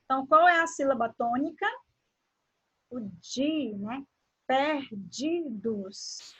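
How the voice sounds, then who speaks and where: A woman teacher from Brazil, giving a grammar lesson. She draws words out slowly and asks the class questions as she explains. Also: high-pitched, a bit bright. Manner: slow, drawn-out word pronunciation with questions to the class.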